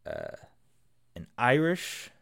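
Male podcast guest, average pitch, rambling and giggly; tells jokes loosely. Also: huge pitch swings, extremely slow, creaky, a bit bright. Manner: rambling storyteller, laughs at own jokes. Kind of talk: casual film podcast chat.

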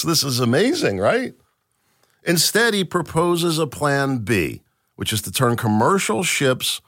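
Male podcast host, animated delivery, dry close-miked sound. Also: lowish voice, no room sound. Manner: emphatic, enthusiastic, with restarts. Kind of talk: solo commentary reading an article.

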